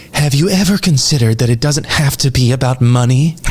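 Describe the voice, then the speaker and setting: A man does a breathy put-on character voice at a medium pitch, moving at a fairly quick pace. His loudness stays very even over light background noise. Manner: feminine and breathy.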